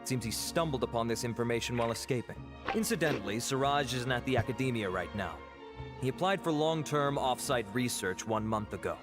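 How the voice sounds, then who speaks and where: A man's voice: mid-range voice, animated, brisk, natural voice. An actor playing an earnest, dutiful male investigator, speaking formally in an anime video game. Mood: businesslike. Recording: background music under game dialogue.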